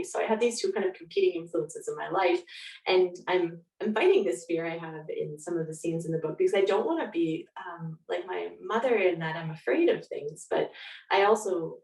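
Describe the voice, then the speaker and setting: A lower-pitched woman with a Canadian accent speaks as an author being interviewed. Her talk is reflective and conversational. The recording is roomy and echoey, with her voice set back from the mic. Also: creaky, a little mellow. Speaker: author guest. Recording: echoey room, distant from mic.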